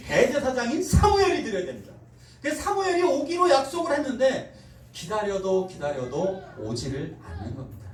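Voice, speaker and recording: A pastor giving a Sunday sermon, telling stories and acting out quoted lines with laughter. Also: male voice, high-pitched, a little hiss or hum. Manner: animated storytelling, acts out quoted voices with laughter. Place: church sanctuary. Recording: roomy church hall, mic at a distance.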